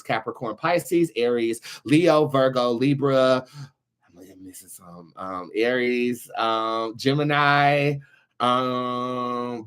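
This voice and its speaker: A man's voice: medium pitch, a bit bright. A man hosting a casual tarot reading, chatting to viewers in a brash, sassy, freely swearing way. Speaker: tarot reader, show host.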